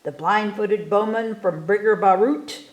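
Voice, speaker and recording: A woman voicing a boastful, excitable young boy showman in a storybook, with grandiose carnival-barker delivery. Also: medium pitch, unhurried, lightly acted. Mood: grand, excited. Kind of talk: storybook read-aloud. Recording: echoey room.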